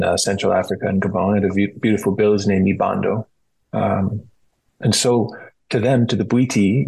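A man giving explanatory answers as a podcast guest, in a measured, reflective way with pauses. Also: lowish voice, vocal fry, husky, poor audio. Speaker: podcast guest, retreat practitioner. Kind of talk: explanatory interview talk.

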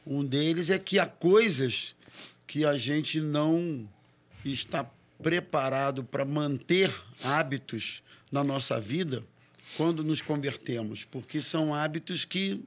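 A man hosting a church talk show, drawing lessons from a guest's story in a measured way. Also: a little high.

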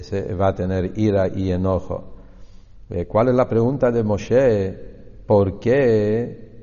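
A man's voice: lowish voice, warm tone. A man teaches a Torah lesson, asking questions and then answering them himself. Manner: explanatory, asks and answers his own questions. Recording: dull lo-fi recording in a reverberant hall.

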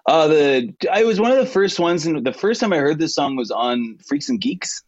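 Musician dude w a low deep voice, easygoing, kinda muffled dry sound. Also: male voice, expressive, normal speed, no room sound. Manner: easygoing, hesitant with many fillers. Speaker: musician guest. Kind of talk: casual interview chat.

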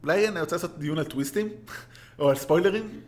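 A man co-hosting a casual film discussion, rambling with many fillers and restarts. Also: a little high. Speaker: podcast co-host.

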